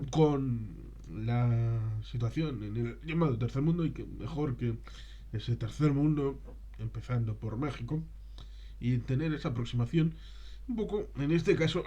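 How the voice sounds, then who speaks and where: A man talks through an unscripted film review as its presenter. His delivery is discursive and halting, as he searches for words mid-sentence. He checks in with short tags and rhetorical questions along the way. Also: mid-range voice, darkish tone.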